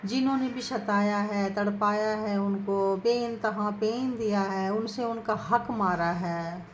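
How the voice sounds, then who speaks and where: A woman's voice: mid-range voice, takes it slowly, roomy sound, a little hiss or hum, low-quality recording. A woman hosting a casual tarot reading for her viewers, talking in a chatty, coaxing way and checking in with them often. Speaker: tarot reader, channel host.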